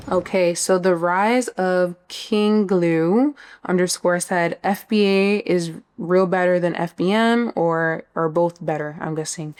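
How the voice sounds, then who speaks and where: A woman in her twenties from Miami, casually chatting as she answers viewer questions, with frequent "um" and "like". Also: fairly low pitch. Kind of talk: casual Q&A chat reading viewer comments.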